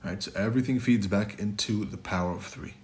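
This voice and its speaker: Lecturing over slides a little fast, the trading instructor's very deep voice is rough and hoarse from a sore throat, with a little hiss or hum in the audio. He's blunt, driving things home with short repeats, a constant "right?" and "it's your fault."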